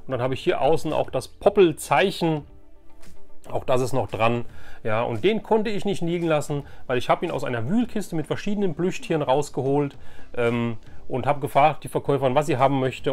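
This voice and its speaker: A man's voice: medium pitch, expressive, brisk, darkish tone, faint music behind. A middle-aged man hosting a casual, chatty toy-collecting vlog in a rambling, enthusiastic way. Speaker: host of a vintage toy collecting channel. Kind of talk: casual chatty flea market haul vlog. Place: room at home.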